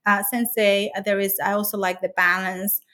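A woman's voice: medium pitch, level tone, moderate pace, bright, forceful tone. A middle-aged woman from the Dominican Republic, talking earnestly in an interview about her work and life, with frequent restarts and fillers. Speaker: author and interviewee. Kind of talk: conversational interview.

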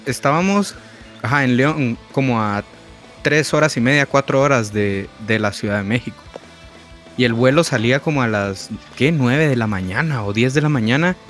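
A man calmly recounting details of a band trip in casual talk. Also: medium pitch, moderate pace, soft background music. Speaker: podcast co-host. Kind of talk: casual chat.

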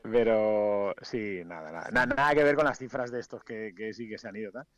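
A man's voice: on the low side, brisk, fairly bright tone, muffled recording. A man from Spain with a Spain Spanish accent, a DJ guest talking casually and frankly in a radio interview, trailing off into fillers.

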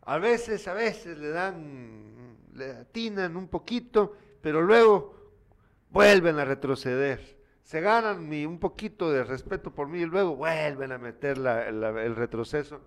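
A man's voice: on the high side, lively intonation, unhurried. Opinionated man co-hosting news. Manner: opinionated, exasperated, scolding asides. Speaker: news show co-host. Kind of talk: casual commentary reading viewer messages.

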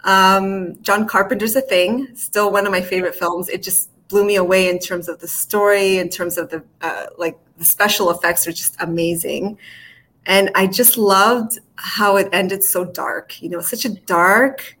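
Relaxed woman filmmaker from Chile. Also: medium pitch, moderate pace. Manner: relaxed, candid, laughs easily. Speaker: filmmaker guest. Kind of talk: casual interview answers.

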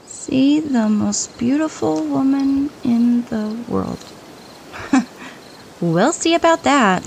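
A woman's voice: sits high, expressive, slow pace, vocal fry, darkish tone, a little hiss or hum, exaggerated voice. A woman playing a vain, sarcastic character in an audio drama.

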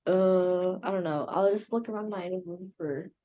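A woman's voice: on the low side, unhurried, muffled recording. A young woman guest on a podcast, talking from her bedroom in a rambling, hesitant way with frequent laughs. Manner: rambling, hesitant, lots of fillers and restarts, laughs often. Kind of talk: casual chat.

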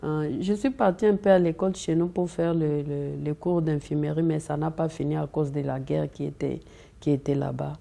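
A woman's voice: deep voice, fairly even intonation, moderate pace, gravelly, warm tone. A woman from Congo, telling her story in a community TV interview and often repeating and restarting words. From Democratic Republic of the Congo. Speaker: interview guest. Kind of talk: conversational interview. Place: community TV studio.

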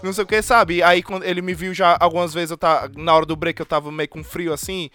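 A woman, hosting a casual chat and telling lively, slangy stories. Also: lowish voice, a little fast, faint music behind.

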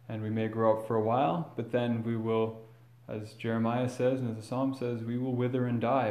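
A man speaking as a priest at Mass, in a measured, earnest way, his voice echoing through a church. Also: medium pitch, a little mellow. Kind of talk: Gospel reading and homily. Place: inside a church. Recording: echoey church acoustics.

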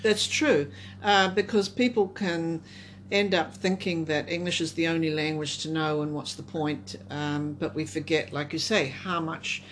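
A woman's voice: deep voice, steady tone, unhurried, a little hiss or hum. A woman moderating a conversational discussion, putting questions and responding.

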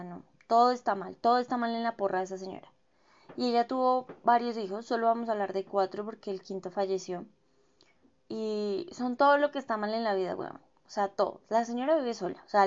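Young Colombian woman with a Bogotá accent, casual slangy vlogger, dry throat, medium pitch. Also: muffled recording. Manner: gossipy and animated, heavy slang fillers, self-mocking. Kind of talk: casual chatty monologue.

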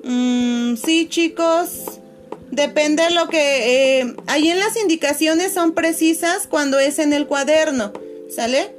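Teacher lady on a video call, high-ish voice, lots of "este", faint music in the back. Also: slow pace. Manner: patient, many fillers, calls pupils "chicos" and "corazones". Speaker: schoolteacher. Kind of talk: online class video call.

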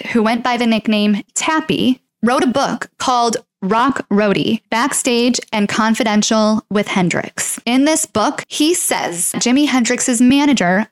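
A woman narrating a true crime story in a casual, conversational way, speculating aloud about what happened. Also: a little high.

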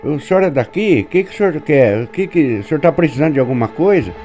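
A man's voice: a little high, expressive, fast talker, a little mellow, faint music behind, pitched above the performer's own voice, lightly acted. A man voicing a blunt older rural landowner who keeps pressing with raised, urging questions.

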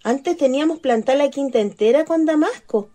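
Woman playing a high, soft-toned Chilean ghost. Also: normal speed, close to an everyday voice. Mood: eager. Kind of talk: radio play dialogue.

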